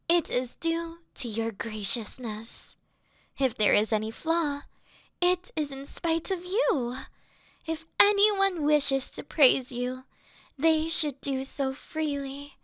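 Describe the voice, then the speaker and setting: A woman voicing a flirty yandere female demon familiar who speaks to her mistress in a soft, adoring, sweetly fanatical way. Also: high-pitched, no room sound, clean studio sound, heavily acted. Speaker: voice actress in audio roleplay. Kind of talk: scripted audio roleplay.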